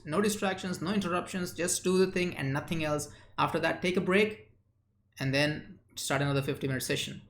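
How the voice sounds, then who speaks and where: A man's voice: a little high, fairly bright tone, roomy sound. A man from India hosting a live stream, reading viewers' chat messages aloud and answering them with lots of uh fillers. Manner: chatty, reads chat names and answers quickly, frequent uh fillers. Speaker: live-stream host and memory coach.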